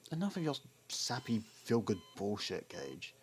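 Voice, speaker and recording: Casting: male actor for a sarcastic, guarded convict man in ASMR drama, deep voice with heavy fry, faint noise behind. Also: wildly swooping pitch, moderate pace, darkish tone. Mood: defensive, irritated. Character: sardonic, guarded jailbird man, reluctantly worried about partner. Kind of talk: ASMR roleplay, intimate dramatic monologue.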